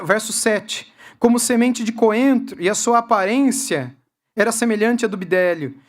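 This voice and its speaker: A man, preaching a sermon at a church congress and putting lively rhetorical questions to the congregation. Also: extremely high pitch, vocal fry. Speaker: guest preacher.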